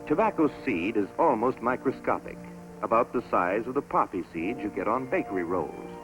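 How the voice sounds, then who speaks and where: A man giving scripted narration for a promotional documentary film in a measured, stately announcer delivery. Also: mid-range voice, lively intonation, low-quality recording. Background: orchestral music score.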